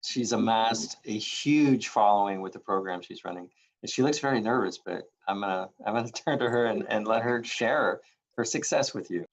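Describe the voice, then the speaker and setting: A man with a fairly low voice leads a public meeting over a video call. He speaks agreeably and reassuringly, pausing with hesitant fillers and restarts. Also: poor audio. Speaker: library official leading the meeting.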